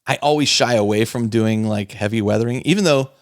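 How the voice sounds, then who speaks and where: A man's voice: mid-range voice, brisk, no room sound, studio quality. A man co-hosting a casual hobby podcast, talking enthusiastically with frequent laughs and rambling restarts. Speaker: podcast co-host.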